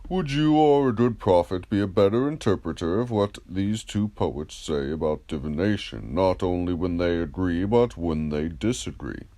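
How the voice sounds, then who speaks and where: A man plays a wise ancient philosopher in an audiobook dialogue. He questions politely and methodically in a low, mellow voice, unhurried, with lively rises and falls. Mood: patient probing. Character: wise, courteous Greek philosopher, patiently probing.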